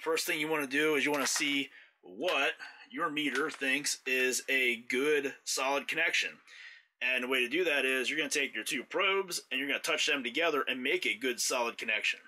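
A man's voice: mid-range voice, moderate pace, slight background noise. A man giving a casual hands-on repair tutorial indoors, explaining step by step as he works. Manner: relaxed, explanatory, talks while working. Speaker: mower repair technician.

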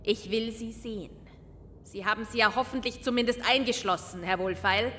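A woman's voice: on the high side, moderate pace, pushed and bright, big-room sound, a little hiss or hum. A woman playing a stern, indignant landlady with a pompous, scolding manner in an audio drama. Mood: stern, demanding. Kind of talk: German amateur audio drama acting.

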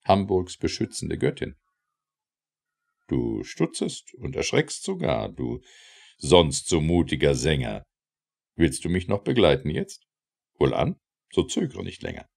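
Guy doing a haughty grand goddess lady in a poem audiobook, very swoopy, bit gravelly. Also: sits low, huge pitch swings, measured pace, pauses often, darkish tone, heavily acted. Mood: indignant, proud, then teasing. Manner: declamatory, grandiose. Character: proud, stately city goddess, motherly yet indignant.

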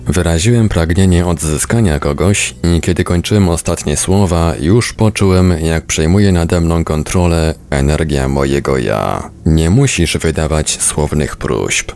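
A man with a very low voice and a creaky, gravelly edge reads a book aloud. He delivers it as scripted first-person narration, in the role of an audiobook reader. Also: unhurried, few pauses, a little mellow.

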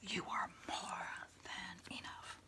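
Middle aged lady doing whispery asmr, really slow, little murmured hums between phrases. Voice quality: breathy, mostly unvoiced whisper. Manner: unhurried, murmuring, with pauses and soft hums. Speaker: ASMR host playing a therapist. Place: small candlelit indoor room.

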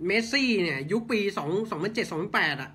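Guy venting about his team, bright sharp voice, swears a lot, keeps asking "are you happy?" style questions. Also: high-pitched, lively intonation, quick pace, husky. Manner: heated, blunt, swears often, asks repeated rhetorical questions. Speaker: football fan channel host. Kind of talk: casual ranting commentary.

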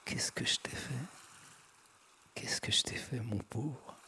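A man voicing a young woman with a soft, mocking murmur, read aloud from a novel. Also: lowish voice, moderate pace, creaky, slight background noise. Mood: teasing. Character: young woman, teasing and tender.

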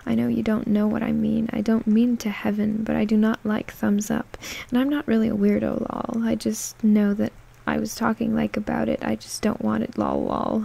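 A woman hosting a soft-spoken ASMR video, playful and giggly, often slipping into whispers. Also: on the high side, creaky. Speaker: ASMR channel host.

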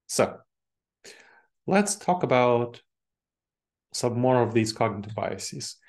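A man in his forties speaks with an Eastern European accent, in a chatty, engaged way, and laughs easily. His voice has a plain, mid-range pitch. He is on a video call from a home office, using earbuds as his mic. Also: animated, slow, a little mellow. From Moldova. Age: 40s. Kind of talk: online presentation to professionals. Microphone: webcam video call with earbuds.

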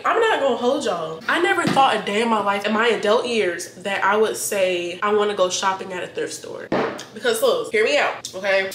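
Dishes clatter in an echoey room as a young adult woman, her pitch fairly high, runs through a casual vlog of her day. Chatty, blunt and profane, she addresses viewers directly, her nose sounding a little stuffed up, with background noise throughout.

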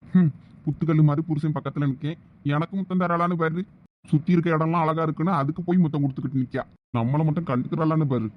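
A man's voice: fairly high pitch, fairly even intonation, fast talker, highs cut off, slight background noise, natural voice. A man playing a jealous, devoted young husband in a village drama, with emotional delivery. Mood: grumbling. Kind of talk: village web-series acting.

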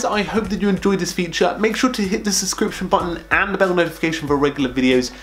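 Young male vlogger, casual and upbeat, close camera mic in a small room, soft music bed. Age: young adult. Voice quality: calls his own voice monotone. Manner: chatty, upbeat, lifts pitch at each new item. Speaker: productivity vlogger. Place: small home office, indoors. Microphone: camera close up at desk.

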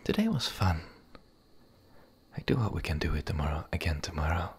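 A man voicing a gentle, playful male werewolf in an ASMR roleplay, speaking softly and intimately, often in a whisper. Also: low voice, wildly swooping pitch, full character voice. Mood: tender, content. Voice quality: husky, breathy, gravelly. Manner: soft, intimate, halting.

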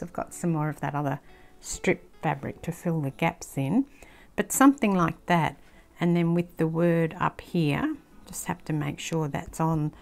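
An older woman with an Australian accent, casually thinking aloud as she works on a craft project, sometimes dropping into a soft near-whisper. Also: sits low, vocal fry. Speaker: craft channel host. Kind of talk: casual craft-along commentary. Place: indoor craft table, filmed from overhead.

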